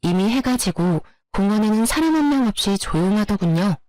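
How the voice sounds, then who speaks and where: A woman's voice: mid-range voice, lively intonation, moderate pace, dark tone, no room sound, faint music behind. A woman narrating a first-person story in an indignant, matter-of-fact way.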